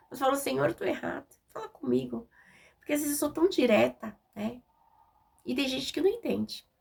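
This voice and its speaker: A woman's voice: sits high, vocal fry, breathy edge. A woman with a Brazilian Portuguese accent preaching a conversational sermon, direct and informal, often checking in with tag questions.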